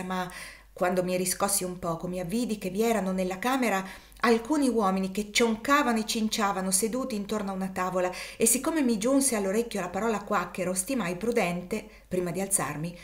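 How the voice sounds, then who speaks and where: A woman's voice: mid-range voice, close to an everyday voice. A woman voicing a shrewd, brash man who guides fugitives, telling his account with a wry manner. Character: brash shrewd male backwoods Quaker guide.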